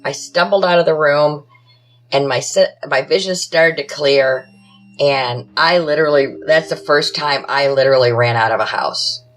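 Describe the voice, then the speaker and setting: A woman with a low-pitched voice, speaking at normal speed, guests on a podcast to recount her own paranormal experiences. She tells them conversationally in the first person, using short, matter-of-fact yet dramatic phrases. The recording quality is low.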